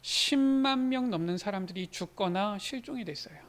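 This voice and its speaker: A male pastor preaching a sermon in a church, asking rhetorical questions and rising into loud, emphatic lines. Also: high voice, normal speed. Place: church sanctuary.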